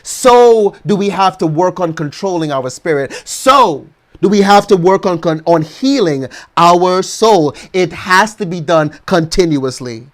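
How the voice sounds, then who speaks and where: An American man preaching a motivational sermon, leading the congregation through slow, emphatic affirmations. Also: sits high, lively intonation, fairly bright tone. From United States.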